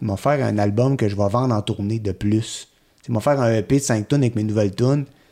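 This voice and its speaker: On a very clean recording with a silent background, a man with a Quebec accent speaks at a fairly quick pace in a medium pitch, with a dark, mellow tone and ordinary pitch variation. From Quebec, Abitibi (Rouyn-Noranda). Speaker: singer-songwriter. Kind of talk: casual interview.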